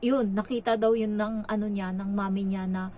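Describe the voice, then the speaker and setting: Chatty Filipina vlogger, gossipy. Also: female voice, mid-range voice, steady tone, normal speed, warm tone, a little hiss or hum. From Philippines. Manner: chatty, gossipy, lots of filler words. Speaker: domestic worker abroad. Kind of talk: casual vlog storytelling.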